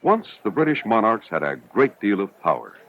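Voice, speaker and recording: Deep-voiced man narrating an old educational film. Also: wildly swooping pitch. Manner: measured, formal, explanatory delivery. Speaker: documentary narrator. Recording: dull, hissy 1970s educational film soundtrack.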